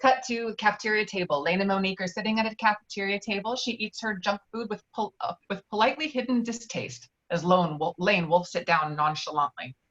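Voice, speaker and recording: A woman's voice: mid-range voice, steady tone, a little fast, hardly any pauses, a bit bright, dull audio. A woman reading out stage directions as scripted narration of a screenplay.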